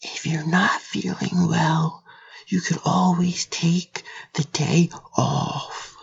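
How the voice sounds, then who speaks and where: A man playing a friendly, concerned office coworker with a breathy voice in an amateur audio drama. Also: fairly high pitch, flat delivery, slow pace, muffled recording, a little hiss or hum, heavily acted. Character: friendly, concerned male office coffee runner.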